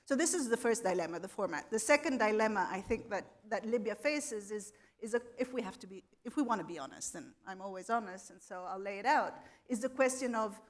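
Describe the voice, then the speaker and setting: A woman on a conference panel works through her argument in an orderly way, naming each point in turn. Her delivery is measured, with a voice of middling pitch. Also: lively intonation. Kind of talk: panel discussion. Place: conference hall.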